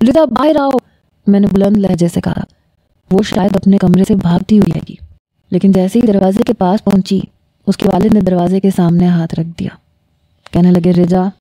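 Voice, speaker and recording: A woman storyteller reading a scripted romance story, voicing every character in her own voice and lifting her pitch for quoted lines. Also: mellow, dry recording, studio quality.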